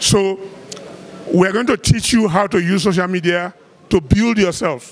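A man speaks at a moderate pace. His pitch is high. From Nigeria. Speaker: club business partner. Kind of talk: speech at awards ceremony. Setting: stage with audience. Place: hall. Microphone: handheld.

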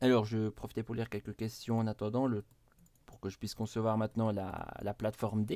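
This man talks fairly quickly in a fairly low pitch, his intonation monotone and flat. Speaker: gaming streamer. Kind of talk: live stream commentary. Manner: hesitant, many fillers.

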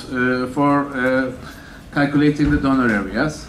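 Against light background noise and audible room echo, a man speaks at a moderate pace. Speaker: conference presenter. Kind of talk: lecture. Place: hall.

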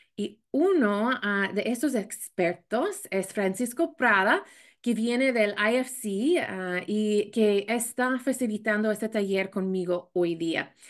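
With an English accent, a woman speaks at a very slow pace with hardly any pauses. Her fairly high voice has ordinary pitch variation against a quiet background. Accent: non-native Spanish, English-accented. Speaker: training academy director and moderator. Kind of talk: online workshop moderation. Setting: video call. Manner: halting, many fillers. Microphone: video call.

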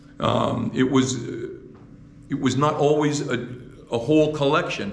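A man talks fairly slowly, and room echo can be heard around him. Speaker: priest. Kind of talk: sermon. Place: church. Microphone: podium.

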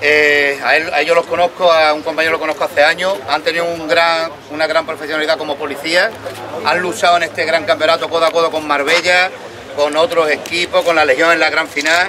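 The man keeps a fairly quick tempo and fairly even intonation while music plays behind him. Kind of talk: award ceremony speech. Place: beach. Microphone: camera far.

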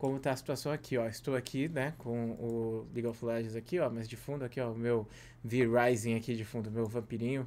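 Speaking at a fairly quick pace, a man talks with a Brazilian accent. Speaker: gaming YouTuber. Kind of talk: casual vlog commentary. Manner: animated. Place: home room.

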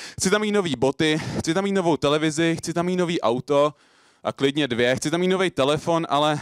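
Against a quiet background, a man with a fairly high pitch talks at a fairly quick pace. His pitch varies in an ordinary way, and the sound is dry with no echo. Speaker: slam poet. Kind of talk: slam poetry performance. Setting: live stage with audience. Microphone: handheld.

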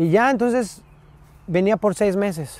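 Over a dry sound with no echo, a man talks fairly slowly with ordinary pitch variation. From Mexico City. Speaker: football journalist and former footballer; interview guest. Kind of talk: casual interview. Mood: animated storytelling. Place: garden. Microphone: lapel.

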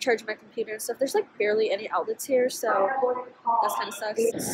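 Noticeable noise fills the background. A woman is talking at a fairly quick pace. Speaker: travel vlogger. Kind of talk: casual vlog chat. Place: station. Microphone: phone near.

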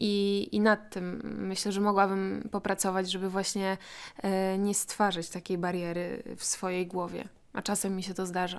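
A woman's fairly slow, monotone, flat delivery. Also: medium pitch for a woman. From Poland, Ostrołęka; Poland. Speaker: actress. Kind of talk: interview. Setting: studio. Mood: warm, reflective. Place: studio. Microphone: handheld.

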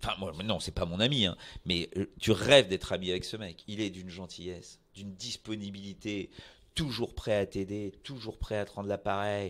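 Loudness swings widely as a man with a fairly low pitch speaks with ordinary pitch variation. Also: moderate pace, very clean recording, silent background. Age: 50s. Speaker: tennis journalist. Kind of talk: casual chat. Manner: animated.

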